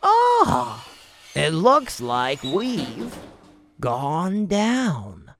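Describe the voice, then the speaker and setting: Guy bickering in a comedy audio drama, slow, gravelly, faint music. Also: sits high, huge pitch swings, a bit bright, a little hiss or hum. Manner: exasperated, bickering. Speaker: amateur audio drama actor.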